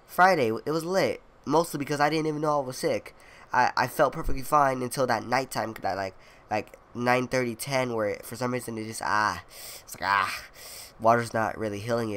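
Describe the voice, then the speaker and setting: A young man records gameplay commentary while clearly congested and coughing now and then. He rambles through his week in a loose, filler-heavy way, throwing in playful brags. Under the stuffiness his mid-pitched voice stays smooth. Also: a bit bright. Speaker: gaming video creator. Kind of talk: casual commentary over gameplay.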